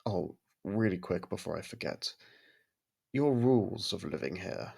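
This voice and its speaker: A man voicing a courteous, possessive vampire lord in an ASMR roleplay, speaking formally with a gravelly, husky voice and a softly commanding manner. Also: deep voice, lively intonation, measured pace, full character voice. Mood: stern, cautioning. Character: courteous, possessive vampire manor lord softening toward a human.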